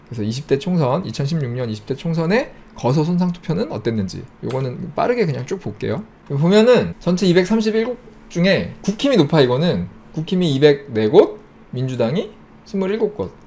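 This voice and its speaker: Gravelly man talking through data. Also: fairly high pitch, very animated, mellow. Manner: thinks aloud, lists regions in quick clipped phrases. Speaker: YouTube host. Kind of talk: casual screen-share data walkthrough.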